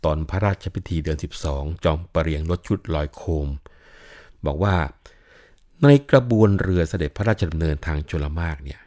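An older man lectures on classical literature in a deep, low voice. He explains patiently and often adds polite particles. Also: moderate pace, darkish tone. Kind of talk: explanatory talk.

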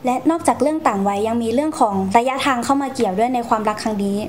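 A woman's voice: on the high side, very fast, slight background noise. A young woman, answering interview questions in a polite, explanatory manner as she recounts her experiences. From Thailand. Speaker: guest storyteller.

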